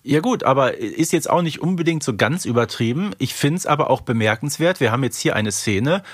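A man's voice: mid-range voice, expressive, fairly quick, slightly rough, no room sound. A man co-hosting a podcast, casually reviewing an audio drama and often tagging on questions for agreement. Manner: conversational, seeks agreement with tag questions. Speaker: podcast co-host.

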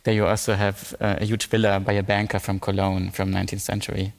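Low-voiced male panel moderator. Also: monotone, vocal fry, big-room sound. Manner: measured, asks guests questions. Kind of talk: panel discussion.

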